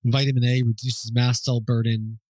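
A man hosting a question-and-answer session, thinking aloud as he answers listener questions in an informal, explanatory way, with pauses and self-corrections. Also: medium pitch, level tone, a little mellow, no echo, low-quality recording.

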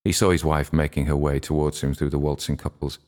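A man reading a literary short story aloud in a measured, steady way. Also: very deep voice. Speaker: audiobook narrator. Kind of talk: literary narration.

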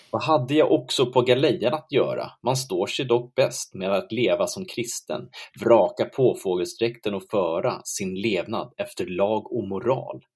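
Man reading boastful Peer Gynt monologue, measured verse reading, slightly husky. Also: on the low side, a little mellow. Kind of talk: reading verse drama aloud.

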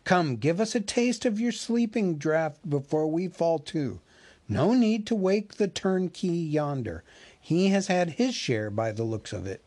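A man reading an audiobook aloud, voicing a band of merry, tipsy male elves with loud, jeering voices. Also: fairly high pitch, lively intonation, measured pace, voice pushed up. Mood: mocking. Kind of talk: audiobook character voice.

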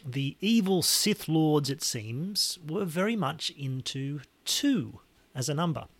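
A man hosting a podcast, talking with a hoarse, raspy voice in a wry, conversational way. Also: on the high side, lively intonation, slow pace. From Australia. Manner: wry, conversational, with throat clearing. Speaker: podcast host. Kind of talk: scripted solo podcast talk.

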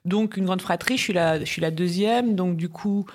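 A woman in her forties from Paris, a business tax lawyer chatting as a podcast guest, talking in lively bursts with quick asides and frequent laughs. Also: fairly low pitch. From Paris, France. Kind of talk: casual interview chat.

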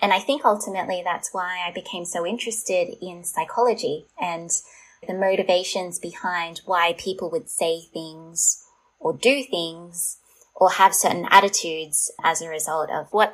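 A woman's voice: fairly low pitch, a bit bright, husky, rough recording. An Australian woman, a startup founder, candidly telling her life story as a podcast guest in a thoughtful, reflective way. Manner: thoughtful, candid, laughs lightly at times.

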